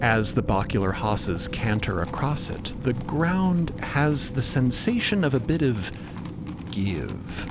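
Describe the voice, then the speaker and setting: A man co-narrating scripted fiction, deliberate and relishing each descriptive word. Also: mid-range voice, sing-song, noisy background. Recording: loud music bed under voice.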